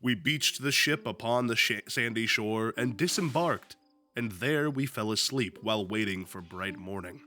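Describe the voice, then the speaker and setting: Sniffly and not quite over being sick, a young man reads a book aloud on stream at home, his dog close by. His lowish, sharp-toned voice moves at a moderate pace with faint music behind. He's casual and joking, swearing freely with lots of fillers.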